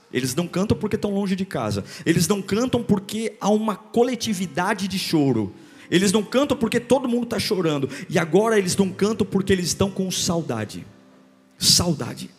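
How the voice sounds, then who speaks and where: A man preaching a sermon, swinging between loud bursts and hushed, repeated phrases. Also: high voice, long reverb tail. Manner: rhythmic repetition, calls for congregation to repeat. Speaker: pastor.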